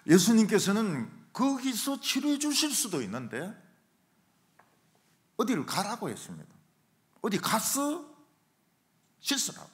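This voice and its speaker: A middle-aged man preaching a revival sermon in a church, telling stories and acting out shouted quotes. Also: sits high, measured pace, long pauses. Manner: animated storytelling, acts out shouted quotes. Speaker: pastor. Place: church sanctuary.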